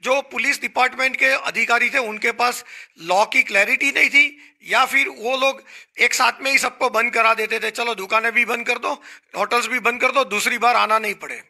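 A man's voice: very high-pitched, steady tone, normal speed, sharp tone. A middle-aged man with an Indian accent, a hotel association guest on a talk show, explaining earnestly into a handheld mic in a small studio. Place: small studio set, indoors.

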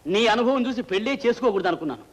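A man's voice: sits high, lively intonation, racing. An actor playing a hapless comic sidekick who tells his misfortunes as a rambling comic story, in 1960s film comedy dialogue. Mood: sheepish.

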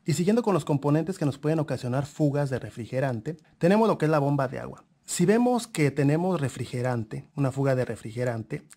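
A man calmly walking through a car engine repair lesson, pointing out parts one by one and repeating key points. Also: medium pitch. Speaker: auto mechanic instructor. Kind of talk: explanatory car repair tutorial voice-over.

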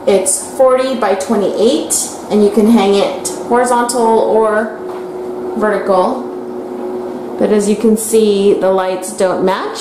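A woman vlogger giving an enthusiastic, casual tour of her newly remodeled bathroom, recorded on a handheld camcorder. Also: mid-range voice. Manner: chatty and enthusiastic, addresses viewers as you guys. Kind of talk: casual home tour narration. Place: small bathroom indoors. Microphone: handheld camcorder mic. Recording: echoey small bathroom, faint room hiss.

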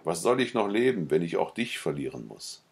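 A man's voice: deep voice, sing-song, brisk, vocal fry, a little mellow, husky, exaggerated voice. A man voicing Filippo, a desperate, lovesick nobleman pleading in a read-aloud novella. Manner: pleading, impassioned.

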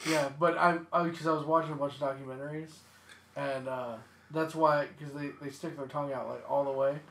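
A man's voice: a little high, steady tone, a little fast, fairly bright tone. A man chatting casually as a podcast co-host. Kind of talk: casual chat. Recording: roomy echo, clearly noisy background.

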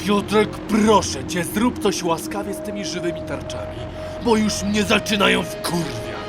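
A man's voice: high-pitched, lively intonation, unhurried. A man playing a brutal, impatient gang leader with a sneering, foul-mouthed, commanding manner in an audio horror drama. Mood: irritated, sarcastic. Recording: music behind the voice.

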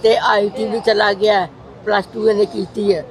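A woman's voice: mid-range voice, little pitch movement, moderate pace, some chatter behind. An older woman, a grandmother, speaking in a pleading, tearful way.

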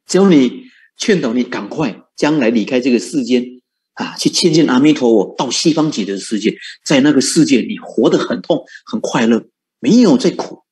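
A man's voice: medium pitch, lively intonation, moderate pace, darkish tone. A man, a Buddhist monk, giving a dharma talk in Mandarin with a Fujian tinge, asking rhetorical questions and chuckling at his own points. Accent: Fujian-influenced Mandarin.

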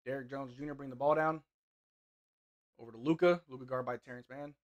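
A young man doing live play-by-play and chat reading while watching a game, his voice getting hoarse, in a small room at a desk mic. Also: medium pitch, fairly quick, lo-fi sound. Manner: play-by-play calls mixed with relaxed banter. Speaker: sports watch-along streamer. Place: small indoor room with gaming chair.

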